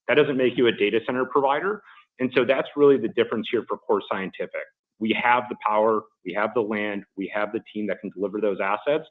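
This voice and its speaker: A man speaking as a company executive, giving measured, businesslike answers on an earnings call. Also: lowish voice. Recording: muffled phone-like conference line.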